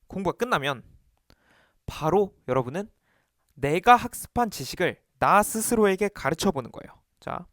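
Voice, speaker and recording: An animated man delivers a study lesson straight to the viewer, his fairly high voice bouncing up and down. He acts out quizzing himself aloud, and the sound is close and dry. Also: normal speed, no echo. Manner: animated, talks to himself to demonstrate. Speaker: exam study coach. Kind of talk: lively video lesson to camera.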